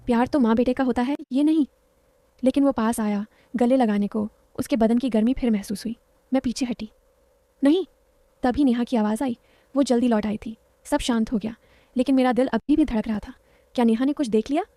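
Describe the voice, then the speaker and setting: A woman's voice: fairly high pitch, fairly even intonation, a little fast, dark tone, dry recording. A woman narrating a story in the first person, in a confiding, dramatic way.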